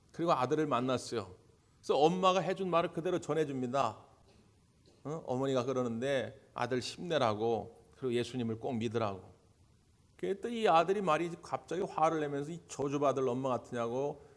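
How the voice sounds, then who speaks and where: A male pastor preaching at a church service, telling stories, acting out the people in them, and putting questions to the congregation. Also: mid-range voice. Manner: storytelling, acting out quoted voices. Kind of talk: sermon.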